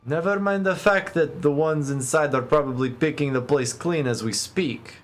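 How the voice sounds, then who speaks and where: A man's voice: on the high side, moderate pace, faint music behind, lightly acted. A man voicing a fierce, taunting tribal guard from a fantasy game in hammy, amateurish read-aloud acting. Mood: scornful, proud. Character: menacing fierce tribal hunter guarding ruins, grinning with spear.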